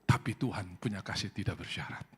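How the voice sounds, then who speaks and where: A man's voice: low-pitched, a little fast, husky. A man pastor preaching a sermon at a church service, exhorting and telling stories to the congregation. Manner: exhorting, addresses the congregation directly, storytelling.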